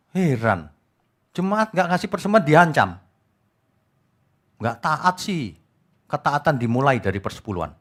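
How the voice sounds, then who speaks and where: A middle-aged man preaching a sermon as pastor, animated, mocking and scolding in turn. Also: a little high. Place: church.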